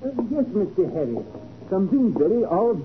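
A high-voiced, uneasy manservant. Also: male voice, very animated, normal speed. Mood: uneasy, spooked. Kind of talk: 1940s radio acting. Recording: noisy, narrow 1940s radio recording.

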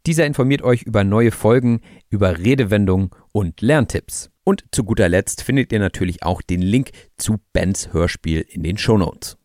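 Calm man explaining words, low voice. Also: moderate pace, hardly any pauses, dry recording, clean studio sound. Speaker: podcast host and language teacher. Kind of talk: explaining vocabulary to learners.

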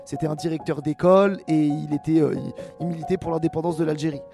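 A man in his twenties from France, an actor and rapper answering interview questions in a relaxed, rambling way with many fillers and restarts. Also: fairly high pitch, fast, vocal fry, music in the background. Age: 20s.

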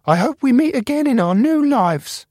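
A man doing a squeaky chirpy computer mouse. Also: lively intonation, moderate pace, darkish tone, dry recording, studio quality. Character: small male computer mouse, chirpy and upbeat.

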